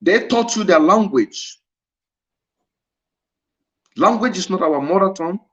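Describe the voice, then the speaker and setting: A man's voice: high-pitched, lively intonation, measured pace, fairly bright tone. A man with a Nigerian Igbo accent giving an impassioned lecture, repeating his phrases for emphasis. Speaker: speaker at a livestreamed address. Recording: dull lo-fi stream audio.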